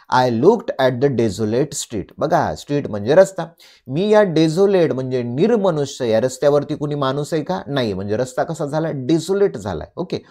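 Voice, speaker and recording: A man with a Marathi accent teaching English vocabulary, reading each definition slowly and then explaining it, with frequent questions to the listener. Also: fairly high pitch, a little mellow. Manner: asks the listener rhetorical questions. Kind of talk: bilingual vocabulary lesson.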